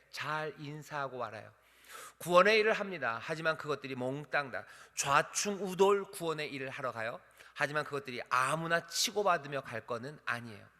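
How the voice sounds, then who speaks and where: A bright-voiced male pastor preaching in a reverberant church. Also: on the high side. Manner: dramatic, acts out quoted voices, asks the congregation questions. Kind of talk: sermon. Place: church sanctuary.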